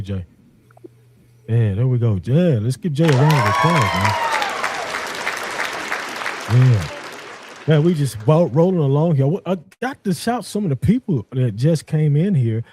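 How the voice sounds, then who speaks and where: A man hosting a call-in show in a casual, easygoing, colloquial way. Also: mid-range voice. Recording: noisy, with crowd-like background sound.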